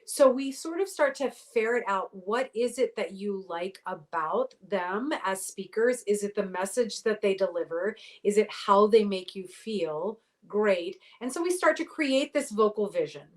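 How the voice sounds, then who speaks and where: Middle-aged woman expert, clear and explanatory, mid-range voice. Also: medium pitch, animated, measured pace, hardly any pauses. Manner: articulate, explanatory, uses athletic analogies. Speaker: voice pathologist guest. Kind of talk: interview answers.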